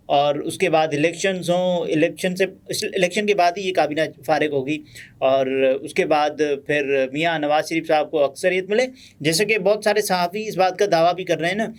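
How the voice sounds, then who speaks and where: A man with a Pakistani Urdu accent giving conversational political news commentary, pausing often with fillers. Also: a little high. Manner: conversational, many pauses and fillers.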